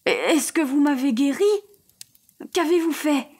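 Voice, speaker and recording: Woman playing a gentle young prince. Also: high-pitched, measured pace, voice pushed up. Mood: wondering.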